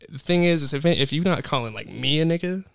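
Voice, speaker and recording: A man's voice: fairly high pitch, expressive, quick pace, gravelly, dry recording, studio quality. A man in his twenties with an American accent chatting casually as an interview guest, with slangy, profane, informal speech. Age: 20s. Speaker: guest, music artist.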